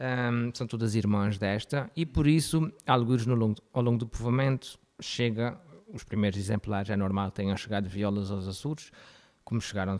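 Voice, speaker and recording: The recording is very clean, with a silent background. A man speaks in a fairly low voice with a dark, mellow tone. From Azores, São Miguel (Ribeira Quente). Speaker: musician and viola teacher. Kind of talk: casual interview chat.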